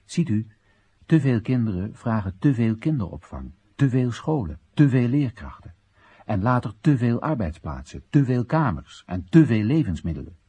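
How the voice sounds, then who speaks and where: A man's voice: mid-range voice, very animated, moderate pace, warm tone, slightly rough. An actor in a radio play monologue playing an earnest, dutiful and wistful young man who explains things emphatically. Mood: emphatic, stern.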